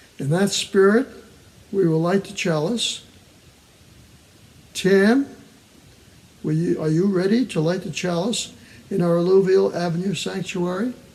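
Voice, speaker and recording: Long, frequent pauses break up the speech, which has ordinary pitch variation against noticeable background noise. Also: man, high pitch for a man, fairly slow pace. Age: 80s+. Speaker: church lay leader. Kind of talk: worship service chalice lighting. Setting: at home, online church service.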